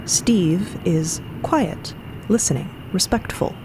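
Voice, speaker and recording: A woman narrating a scripted story in a deliberate way, with wry conversational asides. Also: fairly low pitch, noisy background. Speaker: podcast narrator.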